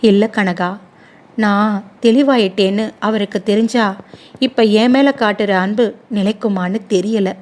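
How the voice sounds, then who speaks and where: A woman voicing a troubled young mother who speaks softly and hesitantly with sorrow. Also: medium pitch, fairly even intonation, a little slow, close to an everyday voice. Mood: fearful. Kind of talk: storybook dialogue.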